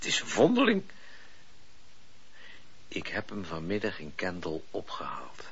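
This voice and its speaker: A man playing an exasperated, desperate husband in a radio drama, halting and indignant. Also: low voice, huge pitch swings, a bit bright, slightly rough, full character voice. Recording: muffled, noisy old radio recording.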